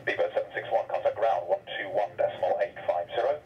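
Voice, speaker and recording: A man's voice: deep voice, fast talker. A man working as an air traffic controller, giving clipped procedural instructions in air traffic control radio style. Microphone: aviation radio. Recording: noisy, muffled distant radio transmission.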